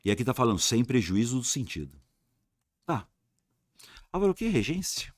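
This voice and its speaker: A Brazilian Portuguese teacher talks a little fast in a mid-range voice with big pitch swings during an online grammar lesson for exams. Casual and colloquial, he drills key words by repetition and answers the questions he asks his students. The recording is dry.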